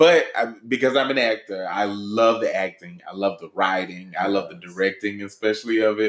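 A man's ordinary speaking voice, fairly low in pitch with ordinary pitch variation, big swings in loudness and hardly any pauses. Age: 30s. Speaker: podcast host. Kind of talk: casual chat.

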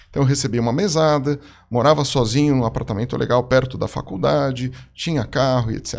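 A man with a normal speaking voice talks at a medium pitch and a fairly quick pace, with ordinary pitch variation. The recording is very clean, with a silent background. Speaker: plastic surgeon and financial educator. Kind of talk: podcast interview.

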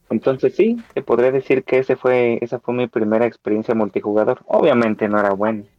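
A man's medium-pitched, monotone, flat delivery at a fairly quick pace with hardly any pauses. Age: 20s. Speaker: competitive gamer. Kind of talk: casual chat.

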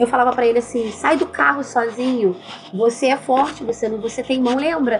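Against noticeable background noise, a woman talks at a fairly quick pace with a high pitch and ordinary pitch variation. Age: 30s. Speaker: abuse survivor, small business owner. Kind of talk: testimony.

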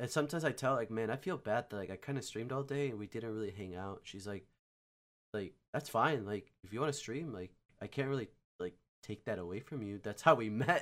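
Fairly quick pace and medium pitch for a man, in an ordinary speaking voice with ordinary pitch variation. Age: 20s. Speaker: podcast host and streamer. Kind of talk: casual chat. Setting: online call.

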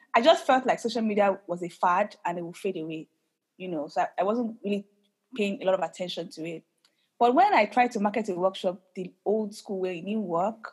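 Loudness swings widely as a woman speaks fairly quickly at medium pitch with ordinary pitch variation. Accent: Nigerian. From Nigeria. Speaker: entrepreneur and online course coach. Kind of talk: interview, telling her story.

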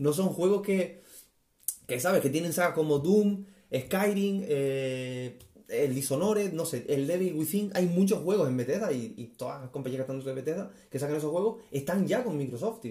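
Fairly high in pitch yet dark and mellow in tone, a man's voice moves at a moderate pace. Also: lively intonation. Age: 20s. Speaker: podcast guest, gamer. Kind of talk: casual chat.

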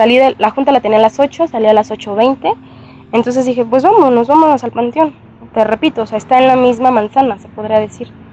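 Loudness swings widely at a fairly quick pace, with ordinary pitch variation and noticeable background noise behind the speech. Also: woman, high pitch for a woman. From Mexico, Querétaro. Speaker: mother telling a paranormal story. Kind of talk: first-person testimony.

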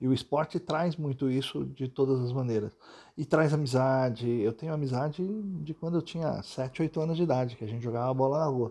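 A man's dark, mellow tone at medium pitch. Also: ordinary pitch variation, fairly quick pace. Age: 50s. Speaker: host's father, guest. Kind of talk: casual chat.

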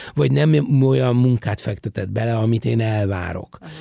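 A somewhat breathy man with a dark, mellow tone and a fairly low pitch moves through very wide pitch swings at a moderate pace, recorded dry and close with no echo, very clean with a silent background. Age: 60s. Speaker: theatre producer. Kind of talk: interview. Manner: halting, repeats words.

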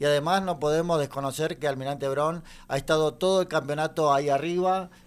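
A normal speaking voice, a man at fairly high pitch, fairly even intonation and a fairly quick pace. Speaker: radio host. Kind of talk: radio sports talk.

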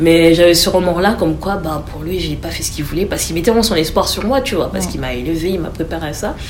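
Fairly low-pitched woman at a very fast pace with hardly any pauses, amid noticeable background noise and audible room echo. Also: ordinary pitch variation. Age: 20s. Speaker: interview guest, eldest daughter. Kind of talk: personal testimony interview.

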